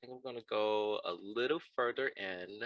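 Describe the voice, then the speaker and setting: A man with a very deep voice that still has a bright, forward edge. He talks casually as a player in a tabletop game, and the sound is dry and close. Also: moderate pace, dry recording, dull audio.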